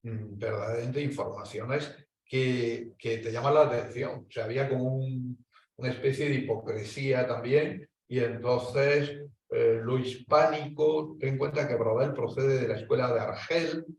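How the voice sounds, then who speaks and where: A man with a Spanish accent speaking on an academic panel, talking in long winding stretches with restarts and lively rises in pitch. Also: normal speed. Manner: discursive, hesitant restarts, animated rises. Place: lecture hall. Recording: echoey hall, distant mic.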